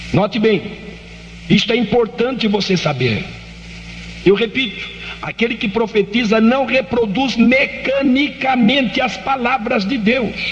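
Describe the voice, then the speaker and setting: An extremely high-pitched man speaks fairly slowly with ordinary pitch variation amid noticeable background noise. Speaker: pastor. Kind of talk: lecture.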